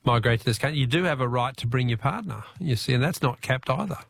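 A man hosting a talkback radio show, affable and chatty and quick to laugh. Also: medium pitch, expressive, creaky, fairly bright tone, slight background noise.

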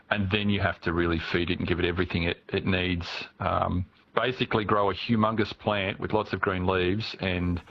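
A man with a low voice explains giant pumpkin growing in an easygoing way. The sound is dull and muffled, like a phone line. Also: a little hiss or hum. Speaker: pumpkin grower guest.

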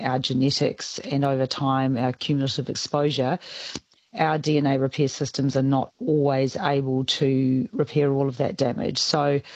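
A woman in her fifties from New Zealand, a dermatologist guest explaining things in a measured way with some ums. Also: extremely low pitch, a little mellow, no room sound, dull audio. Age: 50s. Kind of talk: radio interview.

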